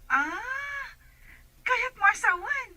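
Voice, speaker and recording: A woman's voice: very high-pitched, expressive, extremely slow, sharp tone, a little hiss or hum, heavily acted. A woman with an Ilocano accent playing a chummy, cheerful friend in an audio drama.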